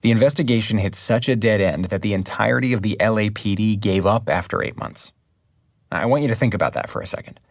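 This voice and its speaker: An actor playing an earnest investigative podcast host, delivering scripted narration. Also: male voice, lowish voice, fast talker. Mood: earnest, intrigued. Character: earnest, driven male investigative true-crime podcast host. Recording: music under the voice.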